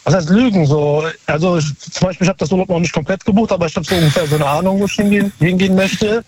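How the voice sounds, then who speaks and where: A man's voice: high-pitched, fast talker, a little mellow, a little hiss or hum. A male caller from near Cologne, heard over a phone line, talking hesitantly with many fillers and keeping things guarded. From near Cologne, Germany. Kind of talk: phone-in chat.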